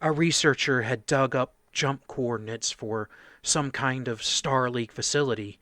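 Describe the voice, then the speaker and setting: A man playing a shaken, nervous mercenary foot soldier who gives halting, stammering testimony in a radio play. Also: mid-range voice, pushed and bright, no echo, studio quality, close to an everyday voice. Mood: haunted recollection. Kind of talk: radio play dramatic monologue.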